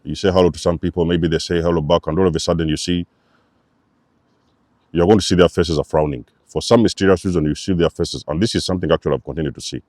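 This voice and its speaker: A man's voice: sits low, fairly even intonation, fast, a little mellow, dry recording, clean studio sound. A man hosting a spiritual channel, giving an emphatic, repetitive preacher-like talk to his viewers. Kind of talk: spiritual teaching monologue.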